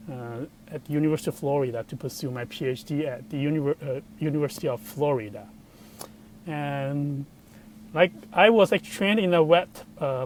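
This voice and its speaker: A middle-aged man from southern China with a Chinese accent, telling his personal story as an interview guest in a halting way. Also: a little high, slight background noise. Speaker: guest, computational biologist.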